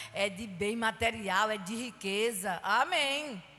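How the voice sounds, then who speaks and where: A woman talks with noticeable background noise present. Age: 60s. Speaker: pastor. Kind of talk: sermon. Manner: fervent, with frequent hallelujahs.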